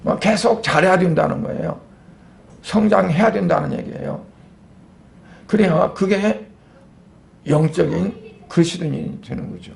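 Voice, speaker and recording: A man, a pastor, preaching a Sunday sermon in a conversational way, asking rhetorical questions and pausing on fillers. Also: high voice, gravelly.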